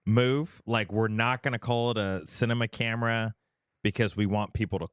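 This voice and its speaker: A man co-hosts a casual podcast in a low voice, recorded dry and close. He asks curious questions in a halting, searching way. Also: steady tone, clear, resonant tone, no echo. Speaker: podcast co-host.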